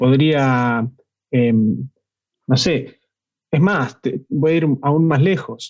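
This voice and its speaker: This man speaks in an Argentine accent at a medium pitch with ordinary pitch variation. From Argentina. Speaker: doctor, sociology PhD student and editor. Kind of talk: interview conversation.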